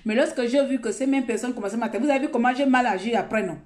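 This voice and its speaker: A woman's voice: fairly high pitch, racing. A woman from Gabon doing a casual phone live stream, talking at length and scolding her viewers in a repetitive, chatty way. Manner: talkative, scolding and repetitive, mixing sermon and chat.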